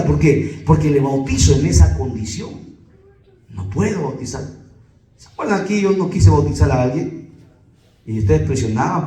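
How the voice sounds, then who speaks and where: A pastor with a Peruvian Spanish accent, preaching emphatically to a congregation and firing off rhetorical questions. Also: male voice, on the high side, dark tone, roomy sound, distant mic, rough recording.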